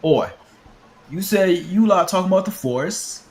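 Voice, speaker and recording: A man doing a gruff, grumpy old merchant. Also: mid-range voice, normal speed, lightly acted. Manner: gruff, keeps switching put-on accents. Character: gruff weary older male merchant, grumpy.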